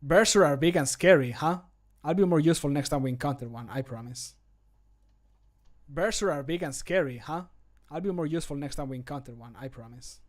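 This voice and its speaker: A man's voice: fairly high pitch, brisk, close to an everyday voice. A man voicing an earnest, wry and reassuring companion in a fantasy game, recorded close to a home microphone. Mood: reassuring, apologetic. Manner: earnest, punning, apologetic.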